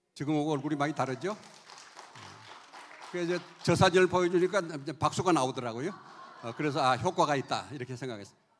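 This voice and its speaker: A man's fairly high voice at a very fast pace, broken by long, frequent pauses, with crowd noise in the background. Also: ordinary pitch variation. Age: 80s+. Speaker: church elder and retired military general giving testimony. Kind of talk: testimony with slide talk. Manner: hesitant, many filler sounds.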